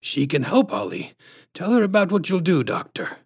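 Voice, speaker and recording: A man's voice: a little high, huge pitch swings, moderate pace, vocal fry, slightly rough, no room sound, clean studio sound, voice pushed up, full character voice. A man voicing a nervous, polite father in a storybook who tries to placate everyone. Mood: nervous, reassuring. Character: Italian husband and father, nervous, placating chef.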